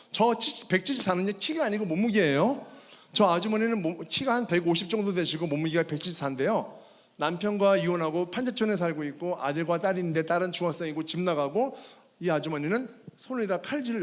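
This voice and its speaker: A fitness trainer giving a personal faith testimony at a school chapel service. He tells the story with animation and keeps calling out to the audience. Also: sits high. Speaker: fitness trainer and guest speaker. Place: large worship hall. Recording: long hall reverb.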